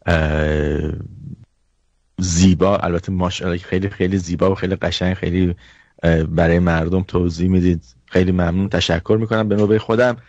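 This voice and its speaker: A man hosting a talk show, thanking his guest and announcing music, polite and halting, repeating words. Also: low-pitched, level tone, a little mellow, no echo, highs cut off. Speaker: host.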